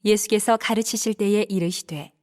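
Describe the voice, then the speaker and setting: Woman narrating scripture, even tone. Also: mid-range voice, moderate pace.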